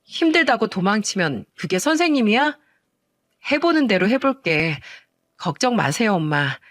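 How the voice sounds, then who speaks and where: A woman's voice: mid-range voice, very animated, normal speed, no room sound, close to an everyday voice. A narrator voicing a weary young female teacher who complains to her mother about her students and their parents, heard dry and close. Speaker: elementary school teacher.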